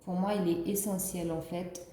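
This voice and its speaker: A woman's voice: lowish voice, steady tone, moderate pace, warm tone, reverberant, slight background noise. A woman with the flu giving a casual spiritual card reading, rambling with many fillers and restarts. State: has the flu. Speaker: card reader.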